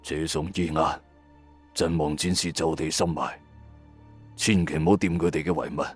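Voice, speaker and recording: A man voicing a grim, mysterious occult expert in a horror story, measured and ominous. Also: very deep voice, little pitch movement, breathy edge, soft background music, pitched below the performer's own voice. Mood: grave warning.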